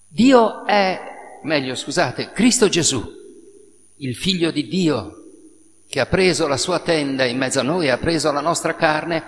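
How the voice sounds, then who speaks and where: A man delivers a sermon in a church, his slightly high voice roughened by grit. He tells the story vividly, acting out little sounds as he goes. His words ring through a reverberant hall over a faint background hiss. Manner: lively storytelling with sound effects. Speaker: priest.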